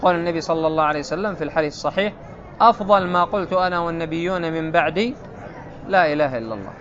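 A man's voice: fairly high pitch, rapid-fire, fairly bright tone, highs cut off, some chatter behind. A man teaching a classical Arabic grammar lesson, explaining step by step and checking often whether his students follow.

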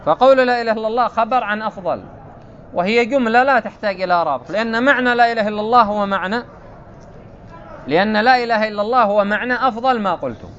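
High-voiced man teaching grammar, quizzing students. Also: rapid-fire, a bit bright, muffled recording, slight background noise. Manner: explains step by step, quizzes students with repeated checks. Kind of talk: classical Arabic grammar lesson.

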